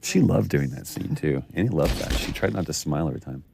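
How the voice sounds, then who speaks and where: A man's voice: a bass voice, animated, fast, vocal fry, noisy background. A man, an actor, chatting enthusiastically on a commentary track and laughing easily. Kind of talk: casual commentary over cutscenes.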